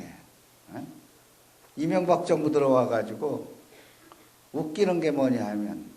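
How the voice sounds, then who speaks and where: A male Buddhist monk from Chungcheong gives a conversational dharma talk. He speaks in a folksy, plain-spoken way and keeps checking in with the listeners with a quick "eh?". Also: on the high side, darkish tone. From Chungcheong, South Korea. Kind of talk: conversational sermon. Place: temple or university dharma hall.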